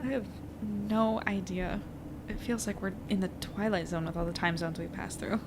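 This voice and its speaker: A woman's voice: mid-range voice, moderate pace, noisy background, lightly acted. A woman playing a thoughtful, easygoing young woman in a naturalistic audio drama, speaking in a reflective way. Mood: reassuring.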